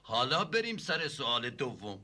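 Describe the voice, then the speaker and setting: A stern, pompous judge. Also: male voice, mid-range voice, sing-song, pushed and bright, exaggerated voice. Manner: formal, impatient, commanding. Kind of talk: TV period comedy drama.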